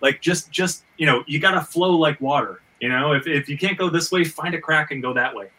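Bright, high-voiced man, stammering and emphatic. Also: brisk, far from the mic, poor audio. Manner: stammering repeated words, emphatic, sweary. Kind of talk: casual, emphatic panel chat.

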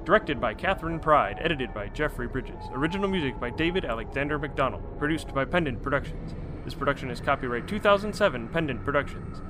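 A man's voice: medium pitch, lively intonation, quick pace. A man reading scripted production credits as an announcer. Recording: music behind the voice.

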